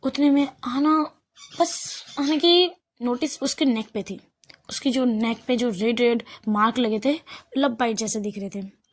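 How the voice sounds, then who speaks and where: A woman's voice: on the high side, measured pace. A woman narrating a love story in a casual, unscripted way, often restarting and correcting herself.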